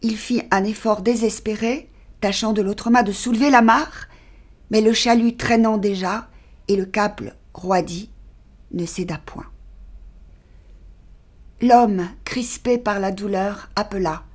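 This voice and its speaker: A woman performing a dramatic literary reading of a short story, measured and sinking to a near-whisper in grim passages. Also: medium pitch, fairly even intonation.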